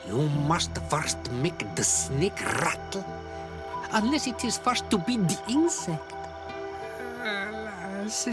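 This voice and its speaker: An old tribal elder from a video game, mournful and fierce. His voice swings widely in pitch and moves slowly through riddling phrases, with clear music behind it. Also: exaggerated voice. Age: older. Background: game music under the voice.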